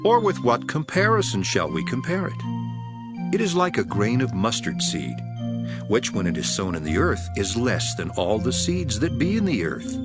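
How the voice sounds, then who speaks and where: A man playing a solemn, authoritative male teacher of parables, declaiming deliberately in a dramatized scripture reading. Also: medium pitch, wildly swooping pitch. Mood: earnest, authoritative. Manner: declamatory, deliberate preaching delivery. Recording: prominent music behind the voice. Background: music.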